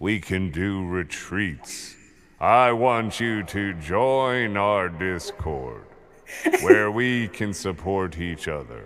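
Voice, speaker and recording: A put-on character voice at a very slow pace, with lively intonation. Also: man, fairly low pitch for a man. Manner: sinister, persuasive.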